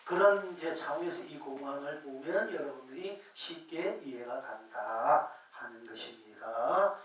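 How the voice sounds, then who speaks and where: Older Zen master in an echoing hall. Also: male voice, a little high, animated, fairly bright tone. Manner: unhurried and rambling, full of filler words. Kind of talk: dharma sermon. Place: temple dharma hall. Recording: very echoey hall, voice far from mic.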